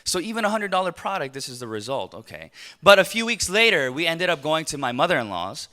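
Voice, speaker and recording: A man from Los Angeles in his thirties tells his story to a live crowd. His bright voice sits a little high and swings widely in pitch. He laughs often and keeps checking in with his listeners. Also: fast talker. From USA (Los Angeles). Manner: lively, animated storytelling with frequent laughs and rhetorical questions. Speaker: motivational speaker. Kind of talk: speech to a live audience.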